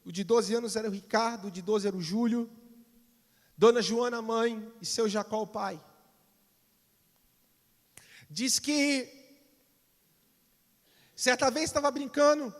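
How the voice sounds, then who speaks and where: A Brazilian pastor with a very high voice tells a sermon story with dramatic swings. A long reverb from a church hall trails behind his words.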